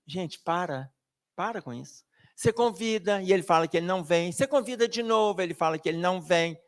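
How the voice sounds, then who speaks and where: A man's voice: high-pitched, brisk. A man giving a spirited public lecture at a spiritist book fair, joking and talking straight to the audience. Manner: animated, jokey, addresses the audience directly. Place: lecture hall.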